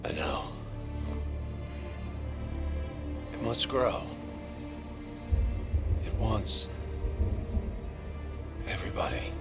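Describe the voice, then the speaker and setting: An actor playing a rogue male soldier taken over by a machine mind, with a low, menacing, half-whispered delivery in a game cutscene. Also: big pitch swings, slow pace, full character voice. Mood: eerie, possessed. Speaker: villain soldier. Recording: voice under loud score music.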